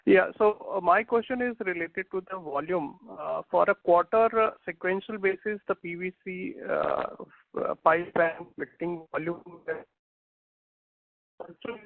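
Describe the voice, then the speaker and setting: A man's voice: high voice, gravelly, no room sound. Man on a glitchy call, breaking up. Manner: hesitant, halting, with many fillers. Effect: glitchy, choppy call audio that keeps breaking up. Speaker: analyst asking questions on an earnings call. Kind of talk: conference call question. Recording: tinny phone line, breaking up.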